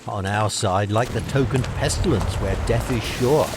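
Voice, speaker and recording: An actor playing a bitter, outraged Roman soldier in a Shakespearean audio drama, declaiming with scorn. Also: male voice, fairly low pitch, moderate pace, background noise, natural voice. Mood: outraged disgust. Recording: music behind the voice.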